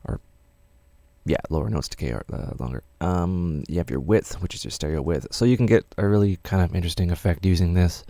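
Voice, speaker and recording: A man's voice: low-pitched, a little fast, warm tone, no echo. A man teaching music production in a casual, rambling tutorial with many fillers.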